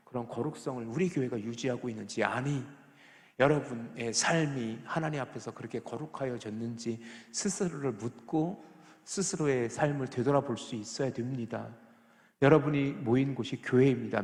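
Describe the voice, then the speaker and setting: Gravelly pastor preaching in an echoey church. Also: male voice, mid-range voice. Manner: preaching with rhetorical questions to the congregation; swings from hushed to loud and emphatic. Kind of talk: Sunday morning sermon. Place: church sanctuary. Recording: echoey church hall with long reverb.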